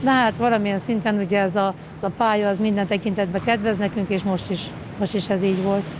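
Speaking at a fairly quick pace with very even loudness and fairly even intonation, a woman is heard in a dry sound with no echo over noticeable background noise. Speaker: basketball coach. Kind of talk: interview. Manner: halting. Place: hall. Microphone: handheld.

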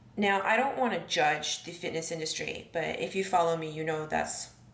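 Against noticeable background noise, a woman talks at a moderate pace, her fairly low pitch showing ordinary variation. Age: 30s. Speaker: fitness vlogger and CrossFitter. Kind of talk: vlog narration.

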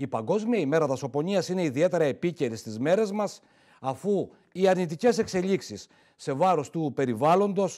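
Against a quiet background, a man with a high pitch and a dark, mellow tone speaks at a moderate pace with lively intonation. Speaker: TV presenter. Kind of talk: broadcast show introduction. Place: studio. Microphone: lapel.

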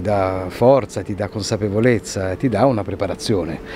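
A man at a moderate pace with ordinary pitch variation, dry sound with no echo and light background noise. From Emilia-Romagna, Italy. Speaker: stage actor. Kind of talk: interview. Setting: theatre before a show. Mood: calm, reflective. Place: street. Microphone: handheld.

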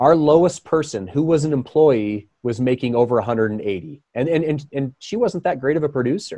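With a dark, mellow tone and a fairly high pitch, a man speaks at a moderate pace with lively intonation over a quiet background. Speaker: dentist and entrepreneur; guest, podcast host. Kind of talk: interview. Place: studio. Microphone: studio mic.

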